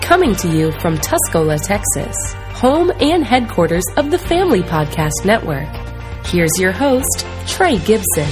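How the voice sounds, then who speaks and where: A woman's voice: medium pitch, big pitch swings, unhurried, over music. A woman reading a scripted podcast intro as the announcer, in an upbeat announcer delivery. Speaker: show announcer.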